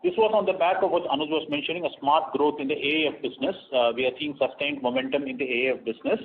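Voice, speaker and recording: Man on a tinny conference call line. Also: a little high. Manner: measured, with frequent "uh" fillers and restarts. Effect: heard over a conference call line. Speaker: company executive presenting quarterly results. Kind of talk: earnings conference call presentation.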